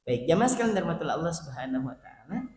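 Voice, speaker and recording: A male preacher giving an animated sermon to a women's study group, acting out quoted voices as he talks to them directly. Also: a little high, quick pace. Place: mosque hall. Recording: roomy mosque hall, faint background hum.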